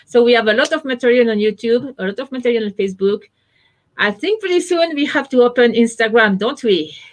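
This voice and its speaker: A woman's high voice with a French accent, very fast pace and lively intonation. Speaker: education organization founder. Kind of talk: online class introduction. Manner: animated.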